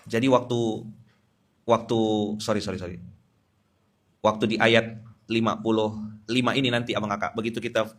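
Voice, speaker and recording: A man's voice: fairly low pitch, fairly even intonation, normal speed, pauses often, fairly bright tone. A man from Indonesia, preaching a dawn sermon with humor and Quran recitation.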